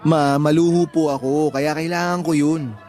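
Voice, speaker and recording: Radio drama gay son played by a man: Filipino, sassy, vain, fairly high pitch, light music behind. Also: fairly even intonation, moderate pace, darkish tone, close to an everyday voice. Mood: breezy banter. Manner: campy, sassy, joking. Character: cheeky, vain gay adult son who jokes he's a young lady. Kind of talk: Tagalog radio drama acting.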